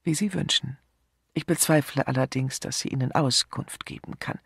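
A man voicing a smooth, wary hotel manager who speaks politely but turns sharp. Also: mid-range voice, normal speed, no room sound, studio quality.

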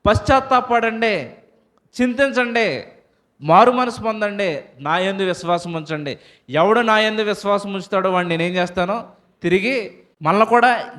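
A man preaching a sermon, posing questions to the congregation and answering them himself, and reading scripture slowly. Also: high-pitched, a bit bright. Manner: reads scripture slowly and deliberately.

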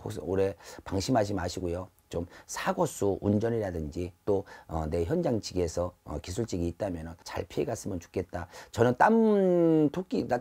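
A man's voice: lowish voice, dark tone, husky. A middle-aged man, a fortune teller, giving earnest, repetitive advice to camera from an indoor shrine room on a lapel mic. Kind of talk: fortune-telling talk to camera.

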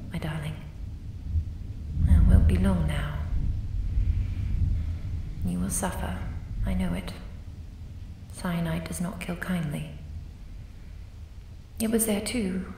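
Woman doing a doting ghost lady, soft breathy whisper, sweet but deadly, slow, echoey room. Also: lowish voice, a little hiss or hum. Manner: intimate, doting, calmly sinister. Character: lovesick female ghost, tender yet deadly. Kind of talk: whispered audio roleplay. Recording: roomy, distant mic.

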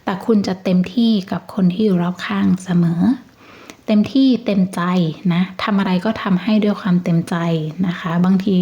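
A woman giving a casual tarot reading, talking in a gentle, chatty and reassuring way. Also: mid-range voice, steady tone, moderate pace, dull audio. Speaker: tarot reader.

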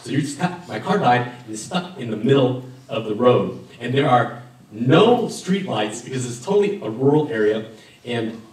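A pastor in his thirties preaches in a church sanctuary, telling a story in a chatty, animated way. His mid-pitched voice carries through a heavily echoing room. It is picked up from a distance, away from the mic. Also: normal speed. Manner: animated, conversational, gesturing at a lectern. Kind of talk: sermon with personal story. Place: church sanctuary with stained glass, indoors. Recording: very echoey room from far off.

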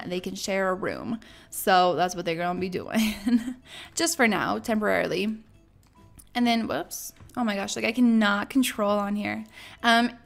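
A woman's voice: medium pitch, vocal fry. A young woman casually commenting over a life-sim game, chatty and upbeat with lots of fillers, her voice a bit strained as it goes out. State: losing her voice. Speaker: let's play host.

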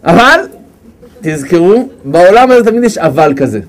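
A man giving a storytelling religious lecture, lively and acting out the characters as he goes. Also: high voice. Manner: lively, acts out characters with big swings of voice. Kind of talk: storytelling sermon.

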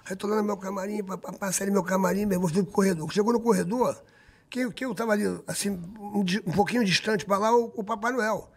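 A man telling a wild anecdote on a podcast, excitable and profane, repeating his phrases. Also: sits high, fast, breathy edge. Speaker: guest storyteller. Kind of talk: casual podcast chat, animated storytelling. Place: podcast studio.

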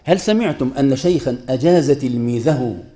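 A man's voice: mid-range voice, expressive, a little fast, warm tone. A man teaching a class on Quran recitation rules, speaking emphatically and putting rhetorical questions to his students. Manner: mixes formal Arabic with colloquial asides.

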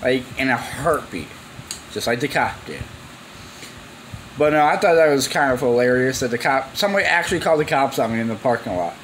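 A man's voice: medium pitch, expressive, brisk, fairly bright tone, slight background noise. A young man telling a story to camera in a casual, rambling, slangy way, acting out the exchanges as he goes. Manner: slangy, informal, acts out quoted exchanges. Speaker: vlogger. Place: cluttered garage, indoors.

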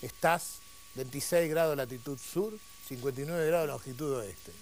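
God from the clouds, low and flat, kinda fed up, guy putting it on. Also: moderate pace, a little hiss or hum, lightly acted. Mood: matter-of-fact. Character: voice of God from the sky, dry and matter-of-fact.

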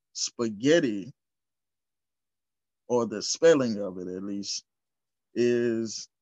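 A man hosting a history channel, reading source texts aloud and explaining them, slow and deliberate, stumbling over long words and adding casual asides. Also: mid-range voice, no echo. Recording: dull lo-fi recording.

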